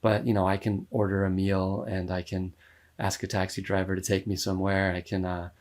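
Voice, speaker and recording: A man in his thirties with an American accent, chatting casually as a podcast guest, relaxed and rambling, with many fillers and frequent laughs. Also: low voice, fairly quick. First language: English. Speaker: musician guest. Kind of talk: casual interview talk.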